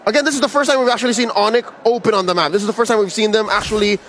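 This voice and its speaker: A man's voice: high voice, fairly even intonation, very fast, fairly bright tone, a little hiss or hum. A man giving live esports colour commentary in a conversational way, with wry turns of phrase. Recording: game music behind the voice. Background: game music.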